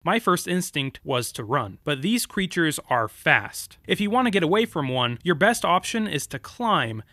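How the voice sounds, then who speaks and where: Higher-pitched, lively man narrating game lore. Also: moderate pace, a little hiss or hum. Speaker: gaming channel host.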